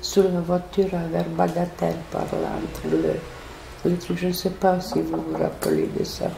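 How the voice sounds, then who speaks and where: A woman with a foreign accent, telling a personal story in an animated, hesitant way, full of restarts. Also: fairly low pitch, moderate pace, vocal fry, noisy background. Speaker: interviewee, neighbourhood resident. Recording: roomy echo.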